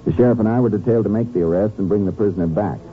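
Guy playing calm texas ranger in old radio western, deep quick talker, all business, tinny sound. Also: noisy background, lightly acted. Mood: measured narration. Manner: terse, steady, authoritative. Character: calm, businesslike Texas Ranger lawman narrating his case. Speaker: lead character and narrator. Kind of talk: 1950s radio drama acting and narration.

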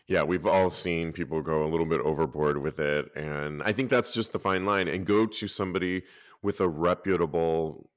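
A man hosting a casual podcast, talking lively and reading out articles and listener posts. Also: low voice, normal speed, no echo, clean studio sound. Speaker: podcast host.

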